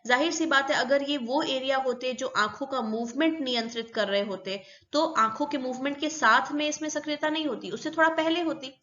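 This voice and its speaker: A woman's voice: high-pitched, brisk, few pauses, bright, forceful tone, muffled recording. Woman explaining a psychology lesson. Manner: explains step by step, repeating terms. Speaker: psychology teacher. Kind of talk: recorded lecture.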